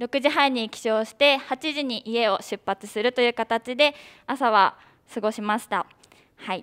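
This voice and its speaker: A woman's high voice at a fairly slow pace, with big swings in loudness and a quiet background. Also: ordinary pitch variation. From Japan, Yamagata city; Yamagata, Japan. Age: 20s. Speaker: university student; presenter. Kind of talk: presentation. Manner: formal. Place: classroom. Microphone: handheld.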